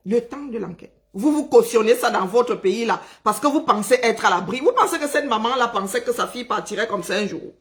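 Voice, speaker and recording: A man's voice: extremely high pitch, animated, fairly quick, few pauses, a bit bright. A man from Cameroon, ranting on a live stream, agitated and indignant, hammering his points home by repeating phrases. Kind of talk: angry live-stream rant.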